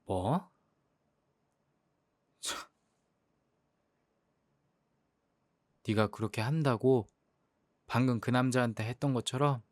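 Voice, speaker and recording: A man's voice: mid-range voice, a little slow, no echo, clean studio sound, close to an everyday voice. A young man playing a jealous boyfriend in a role-play drama, sulky and exasperated. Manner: sulky, hurt, exasperated complaining.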